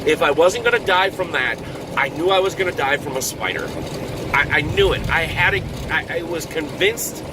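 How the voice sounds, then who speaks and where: A man with a fairly high voice tells a story in a loose, casual style. He exaggerates for comic effect, pokes crude fun at himself and breaks his sentences into short phrases. A very loud vehicle-like rumble sits behind his voice. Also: normal speed. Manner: animated, self-mocking, crude humour with dramatic exaggeration. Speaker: truck driver telling a personal story on own channel. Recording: loud engine-like rumbling background noise.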